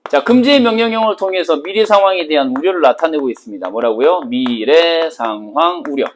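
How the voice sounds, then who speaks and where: Animated man teaching literature. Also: on the high side, fairly quick, a little hiss or hum. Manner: animated, joking, full of rhetorical questions to students. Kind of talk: exam-prep lecture.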